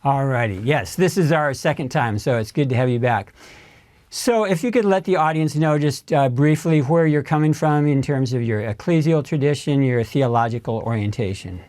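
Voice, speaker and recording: A man's voice: medium pitch, normal speed, a little mellow, no room sound. Friendly male interview host, close dry recording. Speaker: podcast host.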